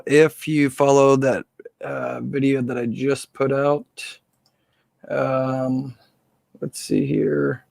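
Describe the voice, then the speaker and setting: A man with a slightly hoarse voice hosting a casual live question-and-answer stream, speaking informally and haltingly off the cuff. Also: mid-range voice, dry recording.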